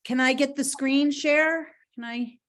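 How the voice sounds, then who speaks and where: A woman's voice: high voice, fairly even intonation, measured pace, fairly bright tone. A woman presenting a grant report to a board in an online meeting, chatty with many ums and restarts. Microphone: video call.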